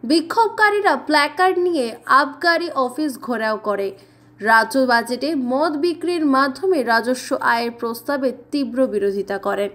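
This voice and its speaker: A woman news anchor reading a scripted bulletin in a formal, steady manner. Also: high-pitched, moderate pace.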